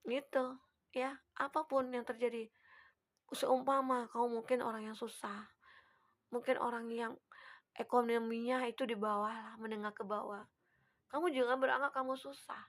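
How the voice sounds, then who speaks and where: A woman giving a collective tarot reading, gently advising and speaking straight to the listener. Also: a little high, fairly even intonation, moderate pace, long pauses. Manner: acts out the listener's own words. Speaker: tarot reader.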